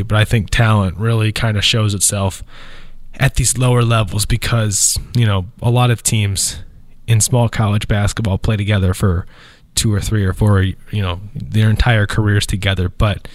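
Rambling nasal man, low voice. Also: steady tone, normal speed, no echo, studio quality. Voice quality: nasal from allergies. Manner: loose and rambling, many fillers. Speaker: podcast host. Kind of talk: casual sports talk. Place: office conference room.

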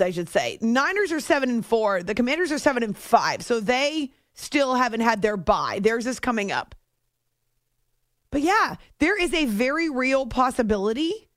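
A woman hosting a late-night sports radio show, talking through results in a chatty way with quick asides. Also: fairly high pitch, dry recording, clean studio sound. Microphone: studio microphone.

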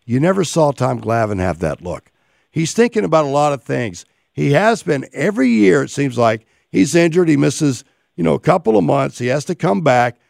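Man, raspy gravelly voice, dry close sound, casual sports radio host, rambling analysis. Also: on the high side, sing-song, moderate pace, a little mellow, dry recording.

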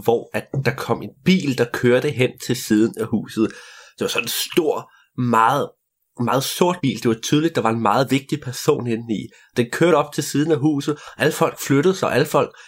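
A young man taking turns in an improvised story, playful and adding sound effects. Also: medium pitch.

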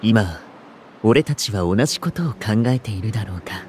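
An actor playing a courteous, bookish young food streamer in an audio drama, speaking in formal, literary, gentlemanly phrases. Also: male voice, lowish voice, animated, moderate pace, a little hiss or hum, lightly acted. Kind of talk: Japanese audio drama acting.

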